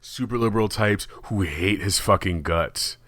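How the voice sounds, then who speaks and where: A man's voice: lowish voice, normal speed, a bit bright, no room sound, studio quality. A man co-hosting a podcast who argues back in a casual, profane way and calls his partner "dude". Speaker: podcast co-host.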